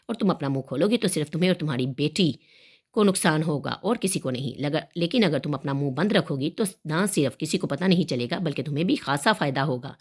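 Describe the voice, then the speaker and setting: A woman's voice: deep voice, lively intonation, breathy edge. A woman reading the part of an arrogant young man who gives orders curtly and dismissively in a storybook narration. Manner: dismissive, curt. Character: young man, arrogant and curt rich son.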